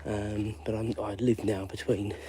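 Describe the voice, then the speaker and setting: A man's voice: lowish voice, flat delivery, a little slow, mellow, slight background noise. Chatty man strolling outdoors. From London. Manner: rambling, chatty, lots of fillers. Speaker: vlogger walking his dog. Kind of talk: live-stream walking chat. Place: outdoors on a residential street in drizzle.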